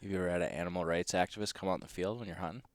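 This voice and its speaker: A young man, a competition duck caller, chatting casually and telling animated stories, mimicking the people he mocks. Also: low-pitched, rapid-fire, dry recording, studio quality. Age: young adult. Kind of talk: casual chat.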